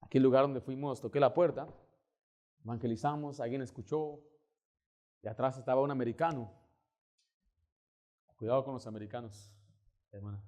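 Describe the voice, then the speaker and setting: A male pastor, preaching a sermon and telling stories with emphatic, lively delivery. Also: mid-range voice, moderate pace, long pauses. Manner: storytelling, acting out quoted voices, emphatic.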